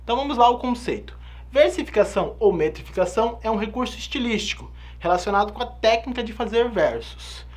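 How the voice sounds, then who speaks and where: Brazilian male teacher with an animated, swinging voice, patiently walks students through each point. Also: extremely high pitch, fairly quick. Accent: Brazilian Portuguese. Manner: explains step by step, often checking in with "tá?" and "certo?". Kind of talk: recorded online lesson.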